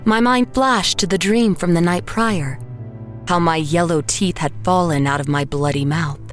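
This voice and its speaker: A woman acting as a haunted young painter narrates her unraveling in a lowish voice. She is anxious and brooding, telling it in measured, literary phrases like a horror audio drama, with music playing underneath. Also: lightly acted. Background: background music.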